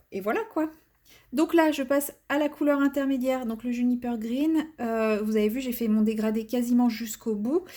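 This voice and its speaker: A woman's voice: fairly high pitch, a little mellow. A woman talking casually while she colors, rambling and poking fun at herself, with many fillers. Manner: chatty, self-mocking, rambling with fillers and restarts. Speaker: coloring channel host. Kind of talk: casual color-along commentary.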